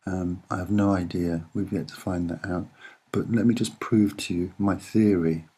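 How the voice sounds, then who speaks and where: A soft-spoken man giving unscripted commentary on images in short, deliberate, hesitant phrases. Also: low voice, fairly even intonation, breathy edge. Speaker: amateur presenter explaining photographs.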